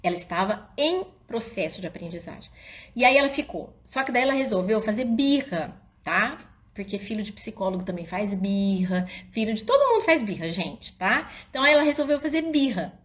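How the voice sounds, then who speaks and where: A middle-aged woman psychologist, talking casually to parents in a live stream and acting out little scenes as she tells them. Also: moderate pace. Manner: animated storyteller, often addresses listeners as "gente"; drops soft and low when quoting her own calm words to the child.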